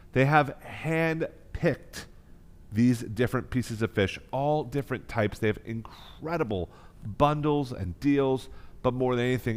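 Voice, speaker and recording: An American man hosting a live online cooking class as chef instructor, speaking with effusive, emphatic enthusiasm. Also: mid-range voice. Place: kitchen.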